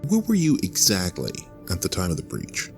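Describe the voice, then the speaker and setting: An actor playing a male official who asks pointed, formal questions, from a played animated video. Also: low voice, normal speed, full character voice. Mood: probing. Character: probing male official interviewer. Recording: music playing underneath.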